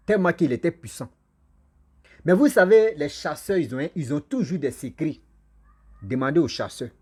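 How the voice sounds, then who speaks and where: A storyteller and channel host tells a folk tale to his online viewers in a husky, slightly breathy voice that's a little high for a man. French is his second language after a local African tongue, and his casual telling is lively and repetitive, often breaking off to speak directly to listeners.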